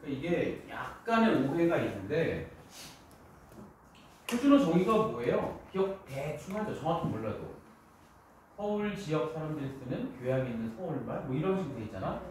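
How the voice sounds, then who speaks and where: A male high school teacher giving a casual classroom lecture, asking students questions and bantering with them. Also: sing-song, moderate pace, a little hiss or hum. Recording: echoey classroom from far off.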